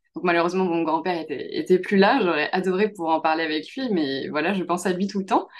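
This woman's voice sits at a fairly low pitch. Her pitch varies an ordinary amount. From France. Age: 30s. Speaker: astrologer. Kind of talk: interview. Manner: hesitant, many fillers.

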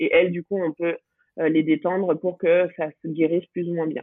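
At a moderate pace, a woman talks in a normal speaking voice pitched fairly low. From Guadeloupe. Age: 20s. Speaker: osteopath and long jump athlete. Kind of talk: podcast interview.

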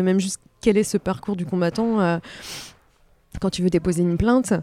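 Music plays behind a woman who talks fairly quickly with ordinary pitch variation. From western France, Les Sables-d'Olonne. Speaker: artist and photographer. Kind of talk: interview. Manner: hesitant, many fillers.

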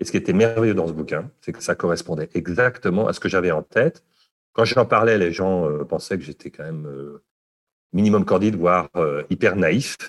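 In a dry, close recording with no echo, a man with a very deep, low voice speaks at a moderate pace, his loudness swinging widely while his pitch varies in an ordinary way. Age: 50s. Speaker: entrepreneur and author. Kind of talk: interview.

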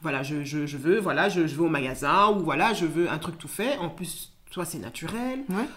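Audible room echo around moderately paced speech with lively intonation. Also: woman, fairly low pitch for a woman. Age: 40s. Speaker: cosmetics entrepreneur. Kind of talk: casual chat. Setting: at home.

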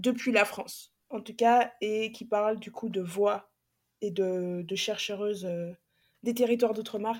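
A woman speaks very slowly in a fairly high pitch with fairly even intonation. Her loudness swings widely. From Brussels, Belgium. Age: 20s. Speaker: climate activist. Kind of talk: podcast interview. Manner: halting, repeats words.

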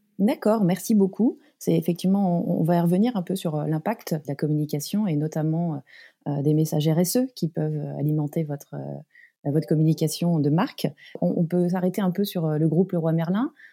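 Over a silent background in a very clean recording, a woman speaks at a moderate pace in a fairly low, dark, mellow voice with ordinary pitch variation. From Brittany, France. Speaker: podcast host and corporate communications manager. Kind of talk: interview.

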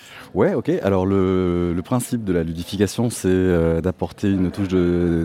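This man's very deep, low voice has a dark, mellow tone, fairly even intonation and a fairly slow pace. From Périgord, France. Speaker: music teacher. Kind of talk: interview. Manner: halting.

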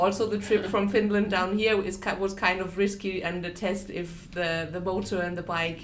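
Over music in the background, a woman at a medium pitch speaks at a moderate pace with hardly any pauses. Her intonation is flat and monotone, and room echo is audible. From Germany. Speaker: motorcyclist. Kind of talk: casual chat. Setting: women's motorcycle festival.

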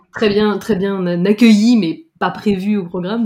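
Her tone is dark and mellow, and the woman holds a medium pitch with fairly even intonation. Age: 30s. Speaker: entrepreneur and business coach. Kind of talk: casual interview.

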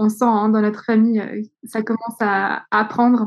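A woman speaks in a somewhat breathy, fairly high voice with a flat, monotone delivery. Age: 30s. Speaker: human design coach. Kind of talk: casual chat. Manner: hesitant, many fillers.

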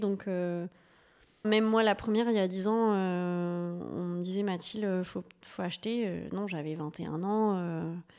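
Her medium-pitched voice carries fairly even intonation as the woman speaks. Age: 30s. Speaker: physiotherapist. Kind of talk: interview. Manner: halting, many hesitations.

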